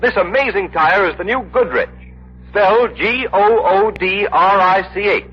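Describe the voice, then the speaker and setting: A man's voice: sits high, moderate pace, breathy edge. A male radio announcer reading in the persuasive, emphatic style of 1930s radio. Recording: dull old radio broadcast.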